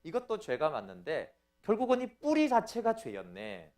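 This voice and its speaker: A man's voice: on the high side, wildly swooping pitch, moderate pace, darkish tone. A middle-aged man, a pastor, giving a teaching sermon in an explanatory way and often checking in with his listeners. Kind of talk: sermon lecture.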